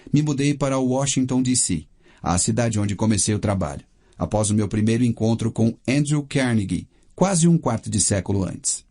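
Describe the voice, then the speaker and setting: A man with a Brazilian Portuguese accent reading a first-person audiobook in a steady, measured way. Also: medium pitch. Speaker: audiobook narrator.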